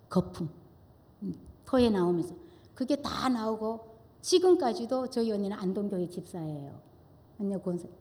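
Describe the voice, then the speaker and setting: Woman preacher, mellow voice, long church reverb. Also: lowish voice. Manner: emotional storytelling, swings from hushed to loud. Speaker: guest preacher. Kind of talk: testimony sermon. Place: church sanctuary. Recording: echoey church hall.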